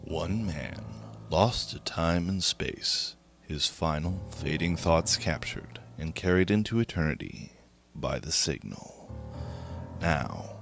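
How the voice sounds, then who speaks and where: A very deep, gravelly male voice reads a horror tale with slow, grave menace. His pitch swings widely for drama, and music plays clearly beneath him. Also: animated, fairly bright tone. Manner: slow, grave, ominous delivery. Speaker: narrator.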